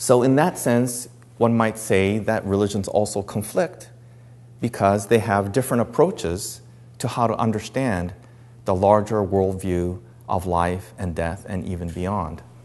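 A man with an American accent speaks at a fairly low pitch and fairly slow pace, with ordinary pitch variation and audible room echo. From US and Japan (California, 14 years in Tokyo). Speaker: professor of religion. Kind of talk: lecture. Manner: hesitant, many fillers.

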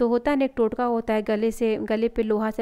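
The voice has a dark, mellow tone and a monotone, flat intonation. It moves at a moderate pace over a quiet background. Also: woman. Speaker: housewife vlogger. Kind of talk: casual vlog chat. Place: home room.

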